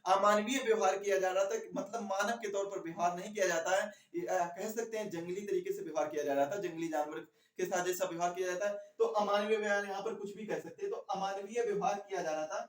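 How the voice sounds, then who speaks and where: A man's voice: sits high, steady tone, fast talker, hardly any pauses. A man giving an explanatory exam lecture, repeating key phrases and putting questions to his students. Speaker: exam coaching teacher. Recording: echoey room, distant mic.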